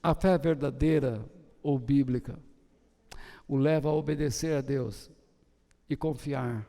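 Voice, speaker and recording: An older man with a Brazilian Portuguese accent preaching a sermon, swinging between loud high bursts and soft low trailing ends. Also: measured pace. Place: church hall. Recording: long church hall reverb.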